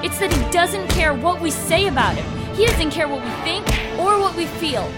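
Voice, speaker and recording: Woman doing young sweary demon fighter, real high voice, sarcastic and defiant, music behind her. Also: lively intonation, moderate pace. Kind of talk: audio drama acting.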